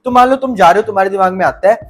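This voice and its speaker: A young man giving energetic, emphatic motivational advice in a casual vlog, repeating words for stress and using slang. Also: high-pitched, very fast, a little hiss or hum. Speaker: self-improvement YouTuber.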